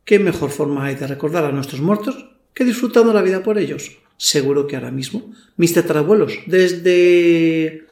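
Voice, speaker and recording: A man's voice: fairly high pitch, normal speed, darkish tone, lightly acted. An actor playing a cocky, lustful young man in a werewolf costume, narrating his night in slangy, self-mocking audio fiction. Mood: boastful. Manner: slangy, boastful, talks to himself. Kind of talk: first-person audio fiction narration with dialogue. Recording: roomy echo, faint music behind.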